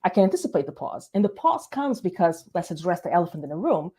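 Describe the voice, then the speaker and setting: A woman's voice: on the low side, sing-song, fast, dark tone, breathy edge. Chatty woman with a light foreign accent. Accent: light hard-to-place foreign accent with some British touches. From Portugal. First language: Portuguese. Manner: conversational, storytelling, addresses viewers directly. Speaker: marketing strategist for coaches. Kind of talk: business advice talk to camera.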